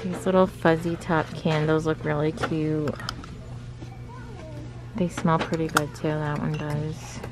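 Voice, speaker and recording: Filming with her phone in a large indoor store, a masked vlogger in her thirties muses aloud while browsing. Her low voice stays flat and slow with long pauses, and music plays behind the noisy shop ambience.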